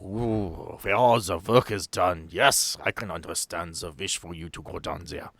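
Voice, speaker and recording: A man's voice: low voice, measured pace, gravelly, a bit bright, no room sound, exaggerated voice. A man voicing a polite, smiling male doctor who shows guests around and tags his questions with "yes". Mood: courteous. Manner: courteous, ends questions with "yes".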